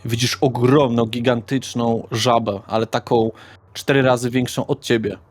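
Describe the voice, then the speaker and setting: Husky male game master. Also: mid-range voice, fairly even intonation, normal speed. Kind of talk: narrating a tabletop role-playing game. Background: music.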